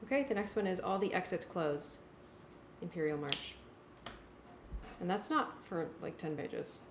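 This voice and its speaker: A woman's voice: lowish voice, animated, a little slow, slight background noise. A woman in casual working talk, a musician helping to prepare music cues. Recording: echoey room with music playing.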